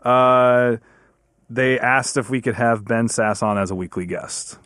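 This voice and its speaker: A man's voice: mid-range voice, measured pace, a bit bright, no room sound. A young man reading listener comments in casual podcast chat, teasing the host in a dry way.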